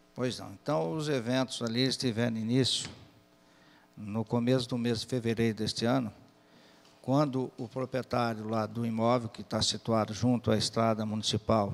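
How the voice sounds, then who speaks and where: At a moderate pace, a man talks in an ordinary speaking voice. His intonation is fairly even, his pitch medium. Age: 60s. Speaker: municipal secretary. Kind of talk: formal testimony. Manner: formal.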